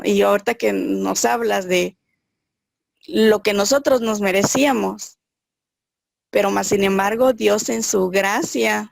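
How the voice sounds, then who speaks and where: A woman's voice: medium pitch, creaky, no echo. A woman sharing a personal faith testimony, earnest and searching, thinking aloud as she goes.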